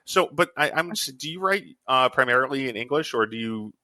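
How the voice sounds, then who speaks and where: A man's voice: medium pitch, expressive, a little fast, sharp tone, dry recording. A man hosting a podcast interview, talking in a rambling, hesitant way with lots of restarts. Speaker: podcast host.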